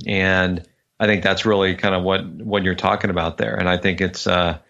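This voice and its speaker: A man in casual conversation, speaking thoughtfully with many pauses and fillers. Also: sits low, steady tone, vocal fry, a bit bright, dull audio. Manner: hesitant, lots of fillers.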